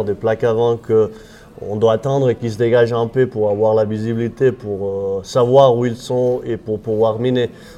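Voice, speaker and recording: The delivery is flat and monotone, with noticeable background noise behind it. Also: man. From Catalonia (Cerdagne). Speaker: ski patroller. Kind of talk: casual interview.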